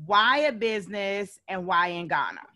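A woman hosting a podcast, asking her guest questions in a deliberate, emphatic way. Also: mid-range voice, lively intonation, pushed and bright, no room sound. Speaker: podcast host. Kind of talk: podcast interview.

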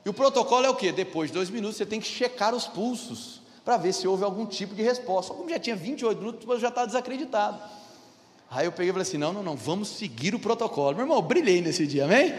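A man's voice: sits high, expressive, quick pace, big-room sound. A man in his thirties with a Brazilian Portuguese accent, preaching a sermon as a pastor and telling a personal story, often calling out to the congregation for an amen. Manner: storytelling, often calls "amém?" and "irmão" to the congregation. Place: church hall.

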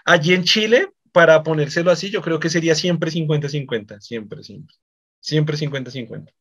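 A man's voice: fairly high pitch, normal speed, fairly bright tone, husky. Colombian man rambling through podcast anecdotes. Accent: Colombian Spanish. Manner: rambling, repeats words, chuckles often. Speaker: podcast host. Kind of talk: casual anecdote telling. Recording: slightly dull lo-fi podcast audio.

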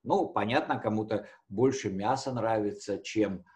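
A man's voice: on the low side, normal speed, a little mellow. A man teaching history conversationally, explaining with hesitations and rephrasing his key words as he goes.

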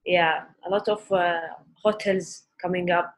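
A woman's voice: fairly low pitch, steady tone, measured pace. A woman in her thirties from the United Arab Emirates, a coffee shop owner answering interview questions hesitantly, with many fillers and restarts.

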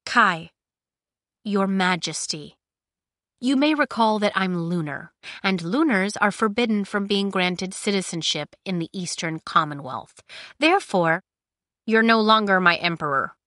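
A woman's voice: medium pitch, animated, measured pace, bright, forceful tone, no room sound, studio quality. A woman voicing a defiant, sarcastic young woman in an audiobook, stubborn and matter-of-fact. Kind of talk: audiobook character acting.

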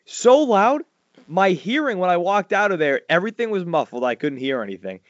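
A man, hosting a casual podcast chat and telling stories loudly, his voice jumping up high when he gets worked up. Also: a little fast, no room sound. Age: 40s. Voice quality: loud voice. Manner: animated storytelling, swings high when excited. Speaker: podcast host. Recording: dull lo-fi dry sound.

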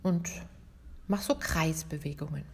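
A woman singing teacher guiding a vocal warm-up in a podcast lesson, calm and encouraging as she talks the listener through each exercise. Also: low voice, measured pace, creaky, husky. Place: podcast episode.

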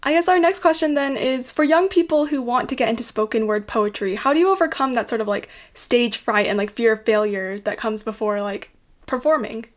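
A woman's voice: fairly high pitch, a little fast. A young woman from Utah co-hosting a podcast for the first time, asking questions casually. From Utah, USA. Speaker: podcast co-host.

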